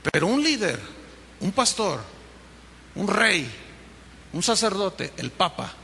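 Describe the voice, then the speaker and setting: A man's voice: high-pitched, sing-song, takes it slowly, bright, forceful tone. A male pastor with a Mexican accent preaching a sermon, emphatic and driving his points home through repetition. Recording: long hall reverb, faint noise.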